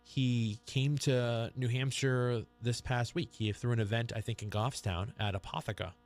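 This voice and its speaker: A man's voice: medium pitch, steady tone, moderate pace, soft background music. A man hosting a local radio talk show, chatting casually about politics with many restarts and trailing thoughts.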